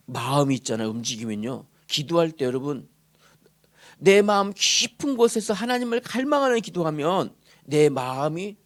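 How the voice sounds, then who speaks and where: A male pastor preaching a sermon in a church, posing questions to the congregation and answering them himself, moving from loud emphasis to soft murmurs. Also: high-pitched. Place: church sanctuary.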